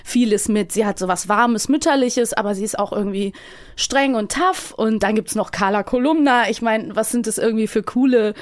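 A woman with a fairly high voice talks casually as a podcast guest. She is emphatic in her opinions, and the sound is close and dry. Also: normal speed, no echo.

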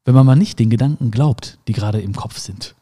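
A man's voice: medium pitch, a little fast, warm tone, husky. A man giving a motivational talk in an emphatic way, repeating his key phrases. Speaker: motivational speaker.

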